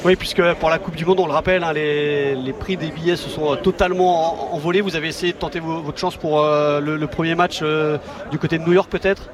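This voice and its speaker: A man's voice: a little high, fairly even intonation, fairly quick, crowd noise. A man reporting live for the news from outdoors on a city street, talking with many fillers and restarts. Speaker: field reporter.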